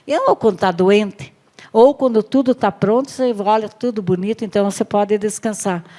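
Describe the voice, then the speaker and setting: A woman pastor with a Brazilian accent preaching to a women's service, lively and questioning the congregation. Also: medium pitch, normal speed. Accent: Brazilian Portuguese. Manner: lively, acts out Bible stories, asks the room questions.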